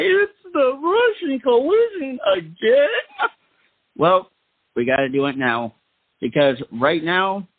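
Slow-talking man hosting talk radio. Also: a little high, no room sound, narrow, tinny audio. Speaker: talk show host. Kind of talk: casual radio talk show commentary.

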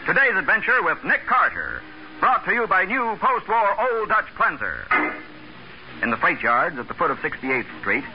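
A man's voice: high-pitched, wildly swooping pitch, moderate pace, noisy background. A man announcing in scripted, dramatic 1940s radio style. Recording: muffled 1940s radio recording. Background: music.

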